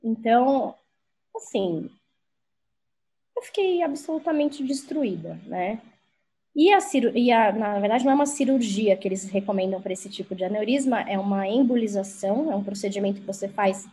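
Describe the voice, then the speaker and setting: A woman's voice: on the high side, moderate pace, mellow, slightly rough. A woman telling a personal story frankly and with animation in a casual conversation, swearing freely. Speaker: guest.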